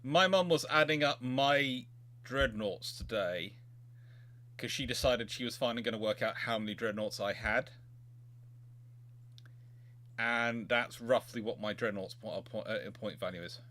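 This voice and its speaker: Casual male host for live Q&A; halting, repetitive, thinking out loud, mid-range voice. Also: medium pitch. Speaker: host of a naval history Q&A chat show. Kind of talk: casual live question-and-answer chat.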